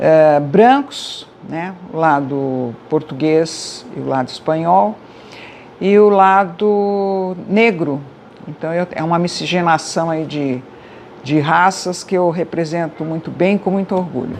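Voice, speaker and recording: Very slow in pace, a woman speaks at a fairly low pitch. Her pitch variation is ordinary. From Brazil, Itanhaém, São Paulo coast. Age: 70s. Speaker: local resident. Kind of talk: interview testimony.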